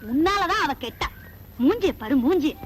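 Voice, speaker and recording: Shrill scolding village woman in a film, very high and piercing. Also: animated, normal speed. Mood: bickering. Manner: shrieking, wailing complaints. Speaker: shrewish woman of the house. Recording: film soundtrack with music underneath.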